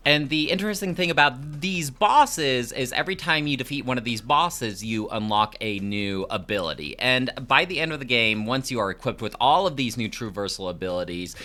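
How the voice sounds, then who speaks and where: Guy chatting about a game, bright tense voice, lots of likes and ums. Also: lowish voice. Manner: relaxed, conversational, frequent fillers. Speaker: game reviewer. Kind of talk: casual video game review.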